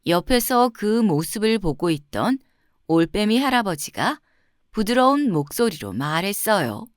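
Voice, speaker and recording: A woman storyteller narrating a children's fairy tale from a script, with expressive, carefully phrased delivery. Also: medium pitch, a little slow, dry recording, clean studio sound.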